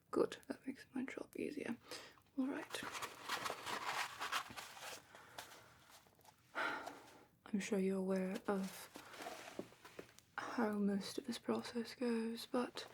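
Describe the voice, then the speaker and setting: Woman acting slow, whispering, wry fantasy academy official. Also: mid-range voice. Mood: businesslike. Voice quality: soft, breathy whisper. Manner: slow, dry, slightly superior, formal. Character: brisk, weary, wry female dragon-matching academy official. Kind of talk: whispered ASMR fantasy roleplay.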